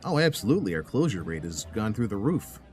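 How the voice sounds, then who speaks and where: Dry, lowish-voiced police sergeant. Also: male voice, very animated, quick pace, over music. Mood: guarded. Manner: dry, hesitant. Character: dry, slightly awkward male police sergeant, the boss. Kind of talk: audio drama acting.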